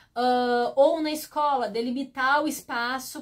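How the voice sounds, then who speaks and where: In a São Paulo accent, a woman speaks with a high pitch and fairly even intonation on a very clean recording with a silent background. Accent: São Paulo (paulista). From Brazil, carioca parents, not from São Paulo. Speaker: behavior analysis educator. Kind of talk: live stream lecture.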